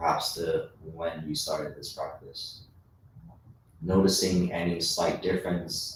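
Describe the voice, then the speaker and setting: Over noticeable background noise, a man speaks at a very deep, low pitch and a fairly slow pace. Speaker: meditation teacher. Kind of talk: guided meditation. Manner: soft-spoken.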